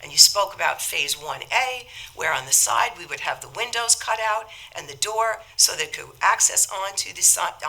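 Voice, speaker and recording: A woman on a town board, hoarse and losing her voice from a cold, speaking forcefully and indignantly in a public meeting debate. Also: medium pitch, slight background noise, poor audio. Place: town hall meeting room.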